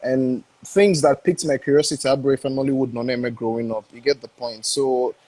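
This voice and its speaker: A young Nigerian man talks in a casual interview, with a husky, grainy edge to his voice. He speaks with eager energy, repeats phrases, and laughs between thoughts. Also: mid-range voice, steady tone, brisk, darkish tone, poor audio. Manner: enthusiastic, repeats himself, laughs often. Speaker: guest film director. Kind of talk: casual interview chat mixing English and Igbo.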